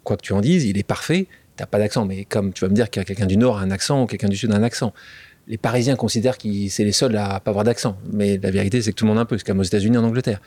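A man hosting an interview, asking brisk, prompting questions in a conversational tone. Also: on the low side, darkish tone, no echo. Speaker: host.

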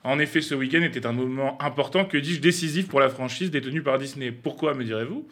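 A man's voice: mid-range voice, fast, fairly bright tone. A young man giving a scripted, playful radio column, mock-pompous and laughing at his own jokes.

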